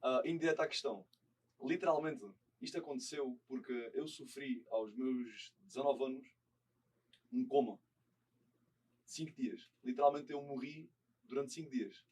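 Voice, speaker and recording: A man from Portugal speaking with a Portuguese accent as a podcast guest. His voice is husky and mid-pitched. He sits some distance from the mic as he tells his story with care. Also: a little mellow. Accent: European Portuguese. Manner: earnest, careful, measured. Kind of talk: personal storytelling.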